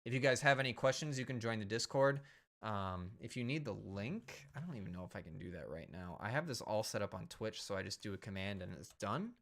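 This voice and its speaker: A man's voice: lowish voice, expressive, fairly quick, vocal fry. A man in his thirties, a streamer wrapping up a live stream in rambling casual chat, a little tipsy and slurring his words. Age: 30s. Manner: rambling, self-repeating, chatty.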